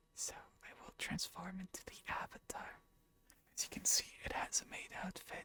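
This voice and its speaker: Whispering in a calm tone at a moderate pace, a man's voice shows big swings in loudness. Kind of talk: casual talk to camera. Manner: calm, soft-spoken, whispering.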